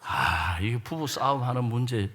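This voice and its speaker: A man's voice: medium pitch, animated, moderate pace, fairly bright tone. A middle-aged man preaching a sermon as a pastor, telling stories animatedly and acting out quarrels. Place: large church or camp hall. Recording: reverberant hall.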